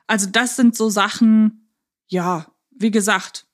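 A woman speaks as a podcast co-host in a casual discussion. Her delivery is conversational and unscripted, with the sense that she is thinking out loud as she goes. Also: mid-range voice, steady tone, slow. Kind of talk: casual podcast discussion of an audio drama series.

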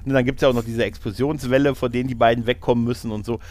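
A man's voice: mid-range voice, steady tone, rapid-fire, a little mellow. A man hosting a casual film discussion, retelling scenes in a rambling way with frequent tag questions and laughs. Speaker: podcast host reviewing a film.

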